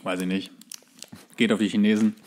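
A man's voice: on the low side, flat delivery, fairly quick, a little mellow. A man co-hosting a casual podcast, explaining and dryly joking while sounding like he is chewing. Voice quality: chewing, speaking with mouth full. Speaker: podcast co-host. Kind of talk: casual chat.

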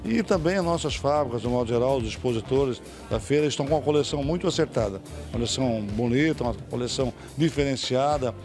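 Brief: man, 50s, steady confident answers, light music bed. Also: mid-range voice, fast. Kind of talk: interview. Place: trade show hall. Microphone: handheld mics. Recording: faint music under speech.

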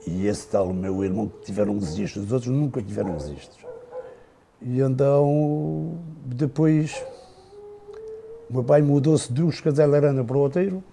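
An older man with a gravelly, rough-edged voice and a very dark, mellow tone. He reminisces slowly and haltingly, often stopping and restarting his sentences. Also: medium pitch, lively intonation, slight background noise. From Portugal. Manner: unhurried, halting, with many restarts and fillers. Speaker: guest. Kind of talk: casual reminiscing.

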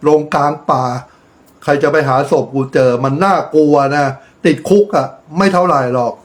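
A man's voice: on the high side, moderate pace. A middle-aged man giving casual, profane political commentary on his own channel, blunt and lecturing. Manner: blunt, crude, swears freely; preachy, lecturing advice.

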